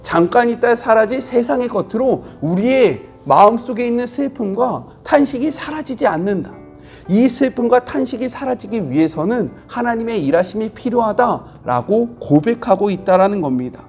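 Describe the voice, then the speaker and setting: A man's voice: very high voice, expressive, moderate pace, darkish tone, soft background music. A middle-aged man preaching a devotional sermon as a pastor, explaining scripture earnestly and voicing the quoted lines with growing intensity.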